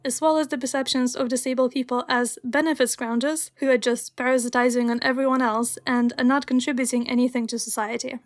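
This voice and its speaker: A woman's voice: sits high, steady tone, fairly quick, few pauses. A young woman whose first language is Russian, narrating a scripted video essay in an earnest, wry, explanatory way. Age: young adult.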